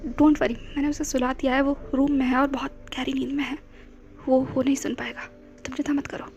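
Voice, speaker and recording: A woman voicing a calm, tender young man who soothes his drunk lover in a hushed, reassuring voice. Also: sits high, brisk, lo-fi sound, soft background music. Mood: soothing.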